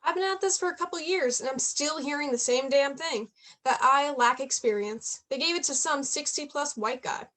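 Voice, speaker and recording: A woman's voice: sits high, normal speed, fairly bright tone. A woman playing an ambitious young journalist and loyal friend, frustrated at times, in a staged reading of a play. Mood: frustrated, venting.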